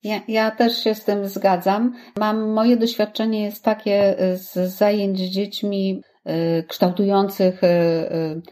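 A woman who runs social skills classes for children, speaking in a thoughtful, halting way in a casual discussion. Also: mid-range voice, level tone, dark tone.

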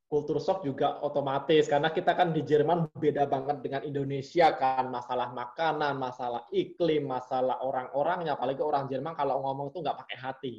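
A man's voice: mid-range voice, steady tone, fairly quick, hardly any pauses, darkish tone, lo-fi sound. A man in casual interview chat, who talks with animation and sometimes mimics blunt, direct speech. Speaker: interview guest.

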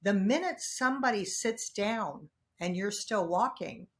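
Earnest woman co-host, mid-pitched. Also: lively intonation, measured pace. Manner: earnest and emphatic, speaks in metaphors. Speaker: podcast co-host. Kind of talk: casual chat.

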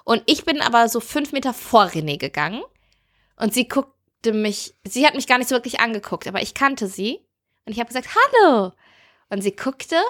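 A woman co-hosting a podcast in casual chat, telling stories in an animated way and laughing often. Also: fairly high pitch. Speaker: podcast co-host.

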